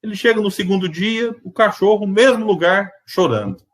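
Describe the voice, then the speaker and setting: A man's voice: sits high, moderate pace. A man giving a spiritist lecture online, telling anecdotes in a conversational, reflective way and voicing the characters in his stories. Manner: animated, tells anecdotes and voices the characters in quotes. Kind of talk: virtual religious lecture with storytelling.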